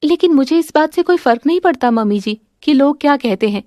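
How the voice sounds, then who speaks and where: A woman voicing a gentle, sensible young daughter-in-law who speaks politely and calmly. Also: sits high, a little fast, dry recording, clean studio sound. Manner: polite and calm.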